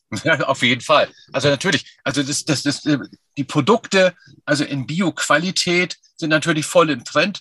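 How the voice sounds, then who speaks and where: A man's bright, sharp voice, fairly high in pitch, at a moderate pace with ordinary pitch variation, in a dry, close sound with no echo. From northern Germany, Schleswig-Holstein. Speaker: company co-founder. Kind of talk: interview. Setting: video call.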